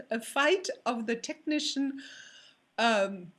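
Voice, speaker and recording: A woman with as her talks casually on a panel. Her voice sits fairly high, and she often searches for the right English word. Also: huge pitch swings, slow pace, fairly bright tone. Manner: searches for words in non-native English. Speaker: theater performer, panel guest.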